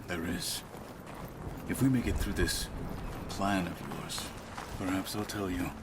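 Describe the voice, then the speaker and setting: An actor playing a proud, reluctant, battle-maimed tribal warrior with a grave, wry delivery in a video game. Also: male voice, sits low, measured pace, noisy background. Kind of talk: video game cutscene acting. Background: loud game music.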